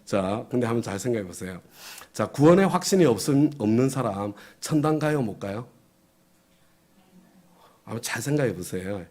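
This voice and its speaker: A man's voice: medium pitch, expressive, normal speed, pauses often, a little mellow. A middle-aged man preaching a sermon as pastor, conversational, often asking the congregation questions and chuckling.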